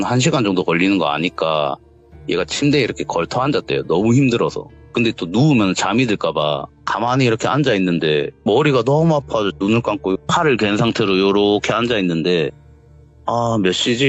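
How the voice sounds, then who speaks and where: In a casual chat, a man tells an interviewer a ghost story he swears is true, performing the voices of the people in it. He shouts the quoted lines at a raised pitch. The recording sounds dull and lo-fi, with music playing faintly underneath.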